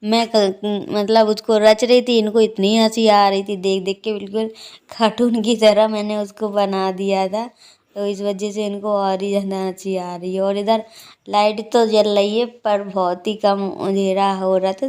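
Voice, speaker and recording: Young woman, home vlogger, casual night-time chat, smooth, flat delivery, phone on tripod. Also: medium pitch, unhurried. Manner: chatty, laughing, hushed at night. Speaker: family vlogger. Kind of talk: casual vlog narration. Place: dark room at home at night.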